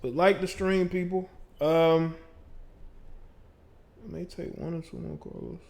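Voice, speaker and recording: A man's voice: on the high side, steady tone, slow, gravelly, a little mellow. A man hosting a live call-in stream, laid-back and affirming callers. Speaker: livestream call-in host. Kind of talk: casual live call-in chat.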